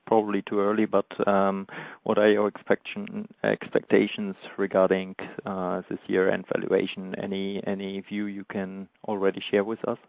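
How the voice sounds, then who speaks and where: A man with a low, gravelly voice asks questions as an analyst on a conference call. His intonation stays fairly flat, and the sound is very dry and close. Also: moderate pace, hardly any pauses, dry recording, low-quality recording. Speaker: financial analyst, caller.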